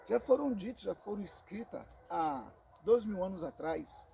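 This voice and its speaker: A Brazilian man with a Brazilian Portuguese accent teaching a Bible sermon, slow and emphatic, repeating phrases and calling listeners brothers. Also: sits high, vocal fry, dark tone, slight background noise, poor audio. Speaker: preacher.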